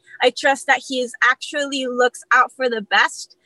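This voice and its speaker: In a dry, close sound with no echo, a woman projects a raised, high-pitched voice with a bright, sharp tone at a fairly slow pace. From Costa Rica. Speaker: ministry leader. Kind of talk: casual roundtable conversation.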